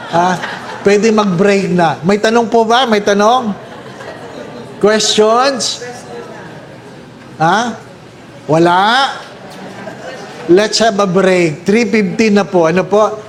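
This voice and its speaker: A Filipino priest giving a Catholic talk with jokes, telling stories in an animated way and putting on high-pitched voices for his characters.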